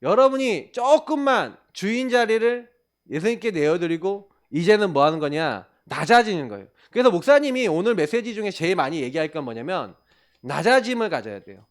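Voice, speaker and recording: A male pastor delivers a sermon to young people with a high, lively voice that swings up and down constantly. He keeps speaking straight to his listeners and poses questions that he answers himself. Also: fairly quick. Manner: animated storytelling, addresses listeners directly and calls himself the pastor.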